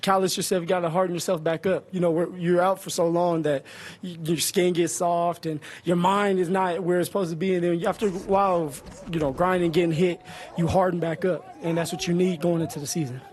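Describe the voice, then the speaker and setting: A man's voice: sits high, fairly even intonation, fairly quick, darkish tone. A man talking in an interview as a football player. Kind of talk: interview talk.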